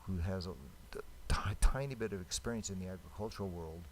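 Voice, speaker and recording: American guy on city council, very deep voice, talking informally, bit of room noise. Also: a little fast. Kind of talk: informal public meeting remarks.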